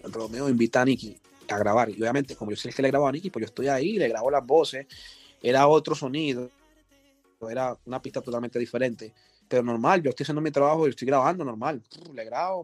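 Un hombre con acento colombiano, productor musical, cuenta anécdotas en una entrevista de forma animada, imitando voces. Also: male voice, mid-range voice, a little fast, no echo, faint music behind. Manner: animated, acts out quoted voices. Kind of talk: casual storytelling interview.

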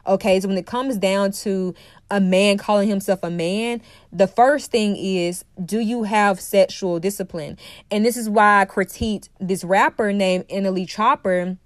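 A woman who is a podcast host and dating coach delivers an opinionated solo monologue, lecturing emphatically and repeating key phrases while congested from a cold. Her mid-range voice is steady and moderately paced, recorded in clean studio sound with no echo.

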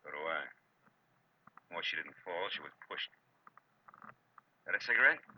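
A man's voice: sits low, animated, unhurried. A man acting a world-weary, curt American private detective in old-time radio style, with clipped, tough delivery. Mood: cool, probing. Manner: clipped, terse, tough-talking. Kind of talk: 1940s radio acting, scripted first-person narration. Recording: muffled, noisy old radio recording.

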